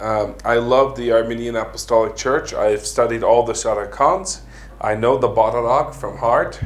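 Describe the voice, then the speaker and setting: A man talks at a moderate pace in an American accent while noticeable noise fills the background. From Iowa, US Midwest. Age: 20s. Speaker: guest. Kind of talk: casual conversation.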